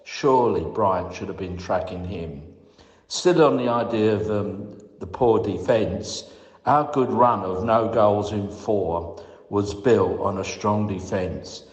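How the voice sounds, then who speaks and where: Low-voiced man in an echoey room. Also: slow pace, dull audio. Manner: methodical, critical. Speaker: fan leaving a voicemail for a podcast. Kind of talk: prepared point-by-point match opinion.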